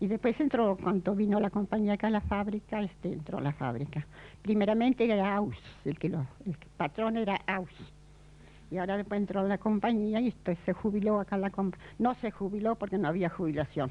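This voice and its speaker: A woman with a dark, mellow tone and medium pitch talks at a fairly quick pace with ordinary pitch variation. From Argentina, Sierras Bayas (Buenos Aires province). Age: 80s+. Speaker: elderly local resident. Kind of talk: testimony.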